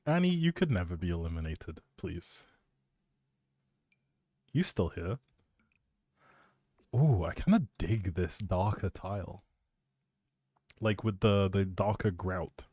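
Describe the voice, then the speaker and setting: A man's voice: low voice, expressive, slow pace, pauses often, a little mellow, no echo, studio quality. A man live streaming, chatting casually in an appreciative, rambling way and thinking aloud as he goes.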